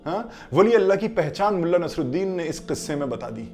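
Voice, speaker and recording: A man teaching through a story in an unhurried religious talk, often pausing to check in with his listeners. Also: high voice, animated, darkish tone, faint music behind.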